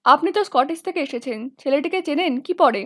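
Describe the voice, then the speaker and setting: A woman voicing a young male student leader in a storybook who fires off quick, pushy questions. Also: high-pitched, animated, no room sound, studio quality. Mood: brisk.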